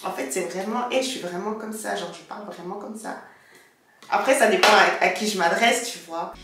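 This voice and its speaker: A young woman, a beauty vlogger, chats casually with her viewers while doing her makeup, speaking French sprinkled with English loanwords in a slangy, direct way. Her mid-range voice moves at a normal speed. The recording sounds echoey, captured from a distant mic, with heavy background noise.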